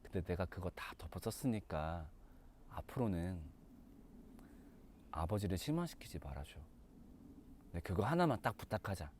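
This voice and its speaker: A man voicing a gentle, self-sacrificing older brother who speaks softly and earnestly. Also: mid-range voice, sing-song, moderate pace, a little hiss or hum, lightly acted. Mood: hushed. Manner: soft, earnest, tender.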